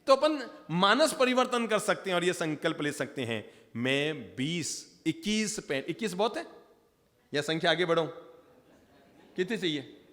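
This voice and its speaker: A man's voice: sits high, animated, moderate pace, long pauses, a bit bright. Humorous preaching man in a reverberant hall. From Rajasthan, India. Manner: humorous, engages audience directly. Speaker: Jain monk preacher. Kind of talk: sermon.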